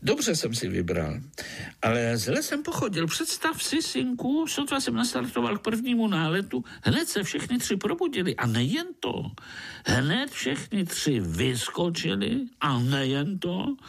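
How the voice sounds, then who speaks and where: A man's voice: sits high, wildly swooping pitch, gravelly, slightly rough, pitched above the performer's own voice, exaggerated voice. A man voicing a boastful, bloodthirsty, jovial male mosquito with a Slovak accent, who keeps calling the listener sonny. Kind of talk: storybook reading.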